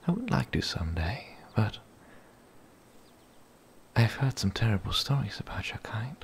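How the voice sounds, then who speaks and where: Man acting a deep, whispering, gentle werewolf. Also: very animated, a little hiss or hum, heavily acted. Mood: awed, curious. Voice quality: breathy whisper, low and creaky. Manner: hesitant, halting, soft-spoken. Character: lonely, gentle young male werewolf, curious and shy. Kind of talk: whispered ASMR roleplay.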